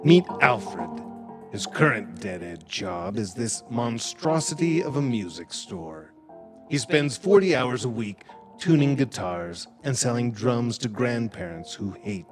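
Snide audio drama narrator, kinda low voice, takes his time, wry little asides, music under it. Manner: sardonic, deliberate asides. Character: wry, snide male storyteller who judges the characters. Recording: music bed behind the voice.

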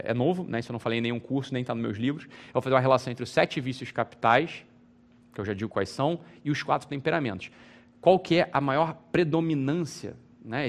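A Brazilian teacher gives an informal spoken lecture, emphatic and repetitive, often checking in with listeners through rhetorical questions. He repeats phrases and restarts, his medium-pitched voice showing vocal fry.

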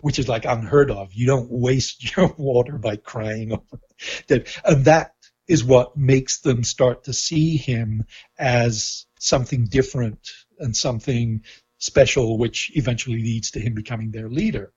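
A man from Canada gives reflective interview answers in a dark, husky voice of medium pitch. He speaks haltingly and thoughtfully, with firm opinions. The recording is slightly dull. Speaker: interviewee, film journalist. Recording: dull, lo-fi sound.

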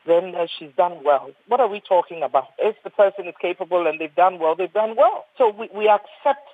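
A woman's voice: lowish voice, fairly quick, slight background noise. A woman in her sixties from Ghana, a doctor speaking earnestly on a panel and often repeating words as she restarts. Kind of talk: panel discussion. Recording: thin phone-like line, husky and dry.

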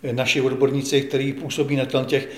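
A man's voice: medium pitch, level tone, darkish tone, roomy sound. An older man, a veteran football journalist, speaking as an interview guest in an indignant, emphatic way and often repeating himself. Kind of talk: studio interview.

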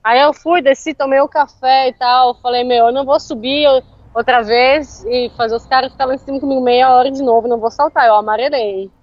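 A high-voiced woman tells an animated story, laughing as she goes. The recording is dry and a little dull. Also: brisk, no echo. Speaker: interview guest. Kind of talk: casual storytelling chat.

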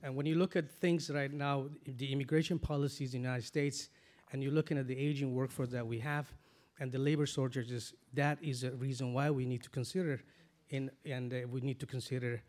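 Earnest halting man in his forties. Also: medium pitch, fairly even intonation, a little mellow. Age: 40s. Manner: earnest, halting, many restarts. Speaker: guest. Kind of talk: panel discussion.

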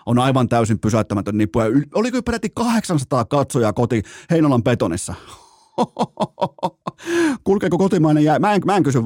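A man's voice: mid-range voice, a little mellow, dry recording. Guy doing a sports podcast, jokey rambling talk, swears a bit, dry close mic. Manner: joking, rambling, with frequent laughs and mild swearing. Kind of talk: casual sports commentary podcast.

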